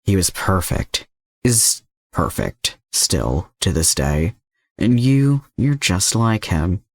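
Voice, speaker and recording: A man voicing an older male villain in a narrated story, calm, smug and menacing, with unhurried, insinuating delivery. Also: low voice, no room sound, clean studio sound, full character voice.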